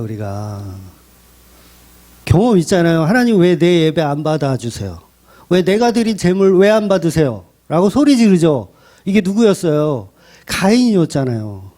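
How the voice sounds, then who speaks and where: A man's voice: fairly high pitch, dark tone. A man pastor delivering a blunt, colloquial sermon full of rhetorical questions.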